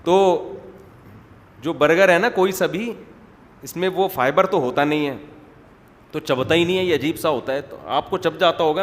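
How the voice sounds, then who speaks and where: A man preaching a sermon, talking in a chatty, joking storytelling way. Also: fairly high pitch. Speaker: Islamic preacher. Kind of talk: sermon with humorous digressions. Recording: echoey hall with faint background noise.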